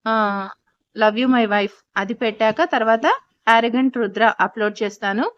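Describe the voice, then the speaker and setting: A woman narrating an audio story and chatting softly with her listeners. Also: on the high side. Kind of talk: casual chat and scripted story narration. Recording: dull, dry recording.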